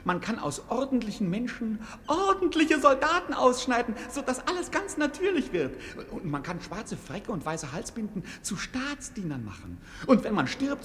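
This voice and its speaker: An actor playing a mocking, cheerfully cynical court fool in a classic radio play, theatrical and impudent. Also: male voice, high voice, fairly bright tone. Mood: gleeful. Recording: noisy old radio play recording.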